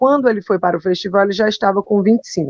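The voice shows ordinary pitch variation in a dry, close sound with no echo. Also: woman. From Brazil, Northeast (Fortaleza, Ceará). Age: 20s. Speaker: singer. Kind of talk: interview. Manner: halting.

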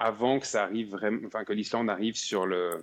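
Over a quiet background, a man speaks in a normal speaking voice, fairly low in pitch with fairly even intonation. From Switzerland. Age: 40s. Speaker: travel consultant. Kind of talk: interview.

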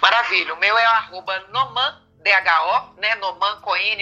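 Fairly slow delivery in an unremarkable speaking voice, its pitch varying in an ordinary way. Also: woman. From Brazil, Belo Horizonte. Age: 40s. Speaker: life coach and consultant. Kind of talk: radio interview.

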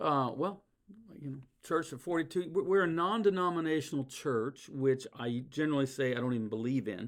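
This man has a normal speaking voice, pitched fairly high, moving at a moderate pace with lively intonation. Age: 60s. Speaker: pastor and author. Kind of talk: interview.

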